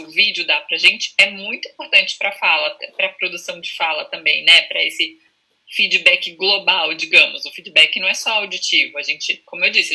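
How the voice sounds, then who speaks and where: A Brazilian woman with a very bright voice and a husky edge talks over a video call. She explains patiently, as a speech therapist would, and often checks in with a quick tag at the end of her sentences. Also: fairly low pitch, rough recording. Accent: Brazilian Portuguese. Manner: calm, explanatory, frequent "né?" tags. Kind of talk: conversational explanation in a live video chat.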